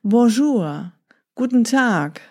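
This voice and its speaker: A woman's voice: fairly high pitch, lively intonation, drawn-out words, darkish tone, full character voice. A woman voicing a clever talking parrot. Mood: persuasive. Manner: pleading, then smoothly persuasive. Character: clever talking male parrot, polite and persuasive. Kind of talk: storybook reading.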